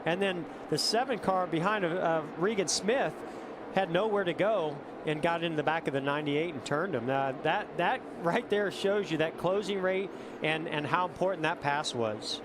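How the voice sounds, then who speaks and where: Male motorsport commentator, analyst type, explanatory, higher-pitched, clear engine noise behind. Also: moderate pace. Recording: noisy race broadcast, engine roar. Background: race cars and outdoor track noise.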